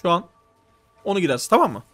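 A young man streaming live, coaching players through a strategy game with urgent, animated instructions. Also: high-pitched, fast, no room sound, faint music behind.

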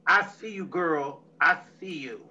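Brief: woman as a brash, bright-voiced, drunk, foul-mouthed tech crook; menacing swagger; lo-fi audio drama. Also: low voice, unhurried, exaggerated voice. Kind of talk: amateur audio drama reading. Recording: dull lo-fi audio.

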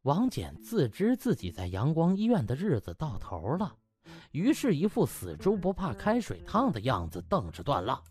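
A man's voice: on the high side, huge pitch swings, normal speed, a little mellow, husky, no echo. A man narrating an audiobook as a colloquial, dramatic storyteller. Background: faint music.

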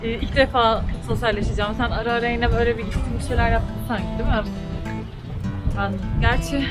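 A woman's voice: on the high side, steady tone, fast talker. A young woman chatting casually as co-host of an outdoor vlog on a handheld camera. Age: young adult. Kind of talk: casual chat. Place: outdoors in city streets and squares. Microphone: camera at arm's length. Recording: loud music and crowd noise.

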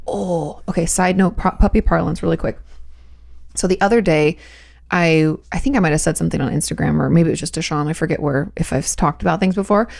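A woman's voice: low-pitched, a little fast, creaky, a little mellow, dry recording. A woman in her thirties co-hosting a podcast in a small home studio, chatting casually and telling stories with restarts. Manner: chatty storytelling, trailing restarts. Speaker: podcast co-host. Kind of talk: casual chat. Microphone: studio mic on boom arm, headphones.

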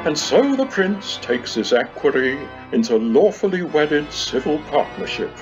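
A man's voice: a little high, big pitch swings, measured pace, music in the background. A man playing the storybook narrator of a comic fairy-tale pantomime. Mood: storytelling. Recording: slightly muffled remote recording.

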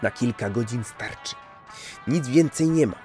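A man's voice: mid-range voice, expressive, measured pace, darkish tone, faint music behind, natural voice. A man voicing a weary male pharmacist who answers in curt, grumbling lines.

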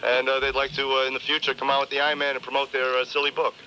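A man talking on morning radio as the host's sidekick, in a dry, deadpan manner. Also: mid-range voice, very fast, slight background noise, low-quality recording.

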